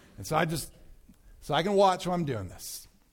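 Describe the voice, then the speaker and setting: In a room with audible echo, a man with a high voice talks at a fairly quick pace. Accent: American. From Maryland. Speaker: pastor. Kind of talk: sermon. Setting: church.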